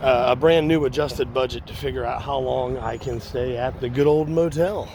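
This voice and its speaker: Noticeable background noise runs behind this recording. A man speaks at a medium pitch with fairly even intonation. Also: moderate pace. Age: 70s. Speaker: vlogger. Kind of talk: casual vlog monologue. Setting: outdoors.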